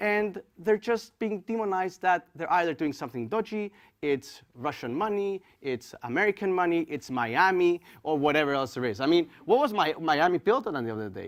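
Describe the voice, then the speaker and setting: A high-pitched man with an animated tone, lively intonation and a fairly quick pace, hardly any pauses, in a very clean recording with a silent background. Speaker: fintech entrepreneur. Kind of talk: conference panel remarks. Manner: fast.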